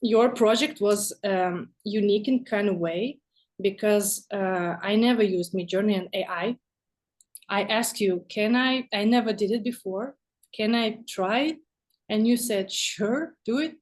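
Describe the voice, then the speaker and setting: A woman who is not a native English speaker, talking casually and haltingly as a guest artist in an interview. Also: mid-range voice, a little mellow.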